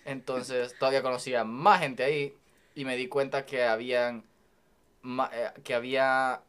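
A man's voice: mid-range voice, level tone, normal speed, fairly bright tone, smooth. A man in his twenties with a Salvadoran accent, a student talking easily and reflectively as a podcast guest. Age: 20s. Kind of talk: casual podcast conversation.

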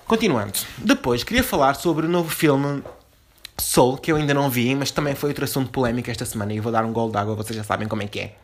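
A man's voice: medium pitch, animated, fast, a little hiss or hum. A young man from Portugal, hosting a podcast from home in a slangy, casual monologue full of fillers and restarts. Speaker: podcast host. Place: home room.

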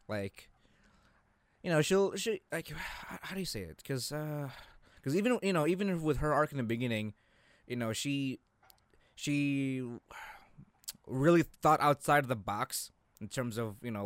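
A young man with a medium-pitched voice, recorded dry and close. He co-hosts a casual anime chat in a halting way, circling back over words as he hunts for the right phrase. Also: expressive, no echo. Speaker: co-host of an anime discussion show.

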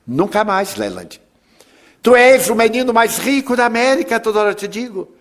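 A haughty, cold rich mother, put on by a man. She speaks curtly and dismissively in a lowered voice. It is storytelling with acted voices. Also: expressive, normal speed. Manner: curt, dismissive.

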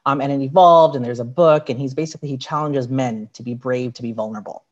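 A woman's voice: a bass voice, fast talker. A woman chatting casually as a guest on a podcast. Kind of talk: casual chat. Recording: dull, lo-fi audio.

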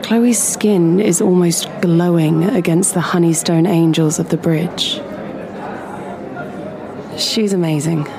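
Slow, wistful woman in an audio drama. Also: fairly low pitch, steady tone, gravelly, crowd noise. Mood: wistful, reflective. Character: wistful, neglected woman narrating her fading romance abroad. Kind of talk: literary audio drama monologue and dialogue. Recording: music under the voice. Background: music.

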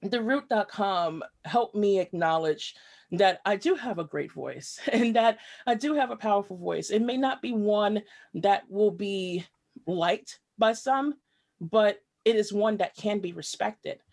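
A woman speaking as an interview guest, a writer and activist. Her delivery is earnest and reflective, with frequent fillers. She is at a middle pitch. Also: a little slow, darkish tone. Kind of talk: conversational interview storytelling.

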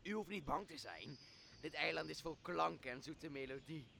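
A young man playing a dreamy, servile island monster in an audio drama, with a gravelly voice. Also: a little high, moderate pace, pushed and bright, slight background noise. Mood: dreamy, soothing. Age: young adult. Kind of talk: Dutch audio drama of Shakespeare.

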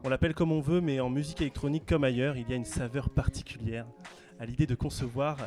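A man hosting a casual radio chat show, relaxed and hesitant, with many fillers. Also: medium pitch, fast. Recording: music playing faintly behind.

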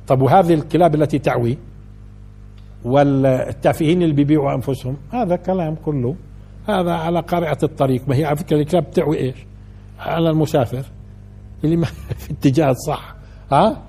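Older man, quick husky delivery, conversational religious lesson. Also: fairly high pitch, dark tone. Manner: conversational lecturing, asks the audience questions, rises to emphatic peaks. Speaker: preacher giving a Quran exegesis lesson.

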